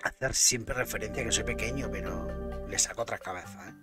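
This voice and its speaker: A man's voice: lowish voice, a little fast, loud music behind the voice. Chatty man playing a game. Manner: chatty, swears, talks to himself. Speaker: gameplay commentator. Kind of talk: casual gameplay commentary.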